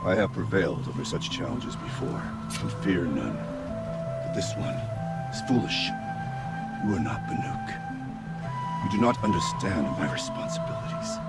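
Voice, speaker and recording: A man's voice: low voice, animated, unhurried, over loud music. A man playing a proud, stern tribal hunter chieftain in a video game, speaking in a formal, grave, challenging way. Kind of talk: dramatic video game acting.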